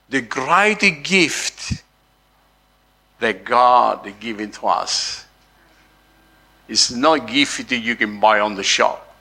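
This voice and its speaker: Slow, gravelly preacher man. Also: medium pitch, sharp tone. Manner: repeats phrases and punctuates with "Amen"; slow, drawn-out emphasis on key words. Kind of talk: sermon.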